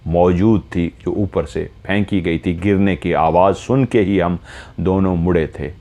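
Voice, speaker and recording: A man narrating a horror story in the first person, slow and measured, retelling events step by step. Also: low-pitched, mellow.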